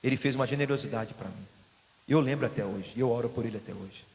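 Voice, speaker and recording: A man's voice: medium pitch, fast talker, a little mellow. A man preaching a sermon as pastor in a church hall, telling stories and acting out the voices of the people in them. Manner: storytelling, acting out quoted voices. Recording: long hall reverb.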